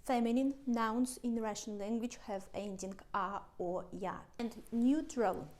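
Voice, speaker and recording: A woman teaching a language lesson, spelling out and repeating words slowly for beginners. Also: on the high side, darkish tone. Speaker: Russian teacher.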